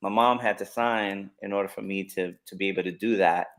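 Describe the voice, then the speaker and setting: A man in his fifties, raised in New York, speaking as an interview guest in a relaxed way, with many fillers and restarts. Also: deep voice, brisk. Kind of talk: casual interview chat.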